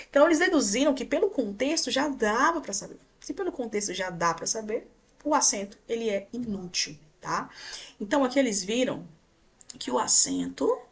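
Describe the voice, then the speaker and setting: Woman, Brazilian Portuguese accent, teacher, grammar lesson, explanatory, slightly breathy voice. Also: fairly high pitch, a bit bright. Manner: explanatory, pointing at slides, with frequent check-in questions.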